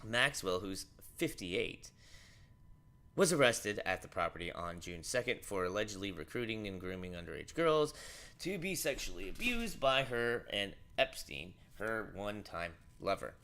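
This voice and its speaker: Man, livestream host, casual news talk, rambling, forceful tone. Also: lowish voice, sing-song, normal speed, a little hiss or hum. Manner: rambling, offhand, many fillers.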